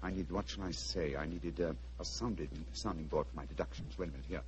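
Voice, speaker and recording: A man playing Sherlock Holmes as a calm, probing detective, with courteous, insistent speech, in 1940s radio drama style heard on an old broadcast recording. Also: sits low, fast talker, background noise. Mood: hushed, methodical. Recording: dull lo-fi vintage radio broadcast.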